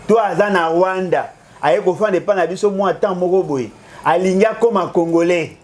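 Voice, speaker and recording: This political commentator's voice sits high and is a bit mellow, moving at a moderate pace. He argues politics heatedly in a lecturing tone, mixing Lingala and French and maintaining that nobody can contradict him.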